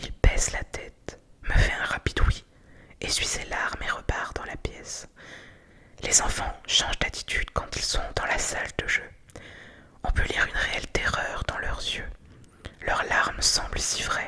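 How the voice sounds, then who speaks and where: Against noticeable background noise, a woman whispers at a fairly slow pace with long, frequent pauses. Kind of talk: whispered horror story reading (ASMR). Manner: whispered, soft.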